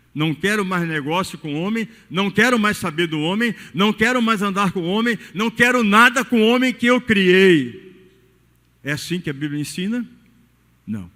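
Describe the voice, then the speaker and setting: High-voiced preacher in a reverberant cathedral. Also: male voice, bright, forceful tone. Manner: preaching, sweeping pitch swings, rhetorical questions. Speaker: pastor. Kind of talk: sermon. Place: cathedral during evening service. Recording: long reverb of a large church hall.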